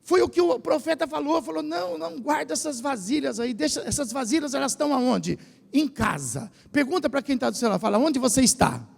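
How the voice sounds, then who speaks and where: A Brazilian man with a São Paulo accent preaching a lively sermon as pastor, drawing the congregation into call and response. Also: very high voice, a little fast, gravelly. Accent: Brazilian Portuguese, São Paulo state. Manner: animated preaching, asks the congregation to repeat phrases. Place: church hall. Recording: church hall with long reverb.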